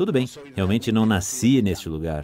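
A man with a dark, mellow tone lets his pitch swing very widely. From Panama. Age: 50s. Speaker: business speaker, former army officer. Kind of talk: motivational testimony talk. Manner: halting.

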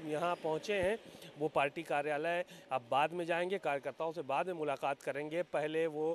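The man's sound is dry with no echo, over light background noise. He speaks at a fairly slow pace with fairly even intonation. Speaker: TV news reporter. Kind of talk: news field report. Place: street. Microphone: handheld.

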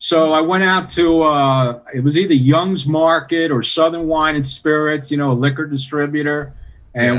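A plain, everyday voice from a man with an American accent, fairly high in pitch, with fairly even intonation and a quiet background. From New York City. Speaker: interview guest. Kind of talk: interview. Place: home room. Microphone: webcam.

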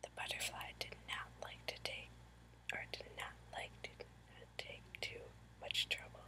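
Someone whispers in a soft-spoken way at a fairly slow pace. Noticeable background noise runs behind the voice. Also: woman. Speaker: storyteller. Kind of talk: story reading. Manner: soft whispered storytelling. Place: home room. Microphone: webcam.

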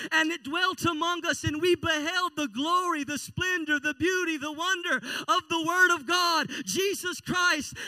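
A raised, projected voice with a bright, sharp tone goes at a fairly slow pace, its intonation fairly even against a quiet background. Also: man. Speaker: pastor. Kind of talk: sermon, pentecostal-style Sunday preaching. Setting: church. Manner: rhythmic, repetitive preacher cadence building momentum; reassuring, exclamatory with interjected praise. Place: church. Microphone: handheld.

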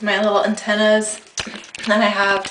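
Over noticeable background noise, a woman speaks at a very slow pace with a medium pitch. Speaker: fashion vlogger. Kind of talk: casual vlog.

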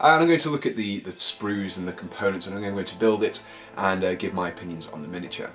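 Over faint background music, a man with a fairly low pitch speaks at a very fast pace with big swings in loudness. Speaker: hobby channel host. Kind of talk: unboxing review commentary. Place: home room.

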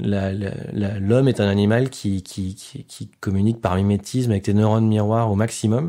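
A man's fairly low voice carries a dark, mellow tone and fairly even intonation. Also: very clean recording, silent background. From France, Auvergne (Clermont-Ferrand). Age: 30s. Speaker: photographer. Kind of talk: personal monologue interview. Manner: halting, many hesitations.

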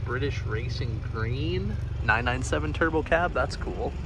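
A man talks at a fairly slow pace, the sound dry with no echo but with noticeable background noise. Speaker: car vlogger. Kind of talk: casual vlog commentary. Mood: enthusiastic. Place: street. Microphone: phone near.

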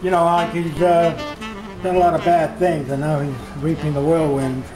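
Clear music plays behind a man speaking at a moderate pace. He takes long, frequent pauses, and his pitch varies in an ordinary way. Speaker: metal sculptor. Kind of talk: interview answer. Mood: reflective, content. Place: workshop. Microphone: camera far.

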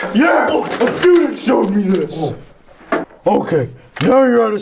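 A man puts on a character voice, pitched high with very wide pitch swings. He keeps a moderate pace over noticeable background noise. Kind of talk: comic overacting. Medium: comedy sketch. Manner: brash, profane, dismissive. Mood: scheming, eager.

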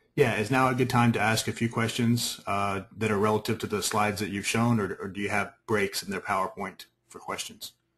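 An unremarkable speaking voice from a man, fairly low in pitch, fairly quick, with fairly even intonation and hardly any pauses. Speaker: webinar host. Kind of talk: webinar introduction and moderating. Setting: online webinar. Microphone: video call.

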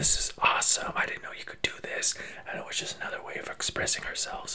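Whispering at a very fast pace, a man lets his loudness swing widely. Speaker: ASMR creator. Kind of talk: ASMR fashion commentary. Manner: whispered. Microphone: studio mic.

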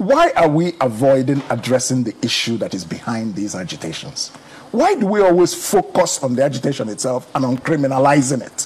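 There is noticeable background noise. Through it, a man's speech moves at a fairly quick pace. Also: fairly high pitch for a man, lively intonation. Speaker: political commentator. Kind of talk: interview.

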